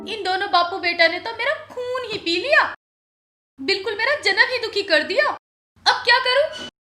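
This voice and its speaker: A woman's voice: very high voice, lively intonation, normal speed, echoey room, over music. An actress playing a fed-up Haryanvi village wife and stepmother who scolds and wails, in a Haryanvi accent. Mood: complaining. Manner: scolding, wailing complaints.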